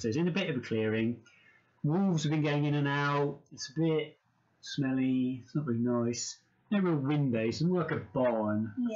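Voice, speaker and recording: A man talks with ordinary pitch variation and a moderate pace, the background quiet. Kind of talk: storytelling narration to children. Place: home room. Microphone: camera far.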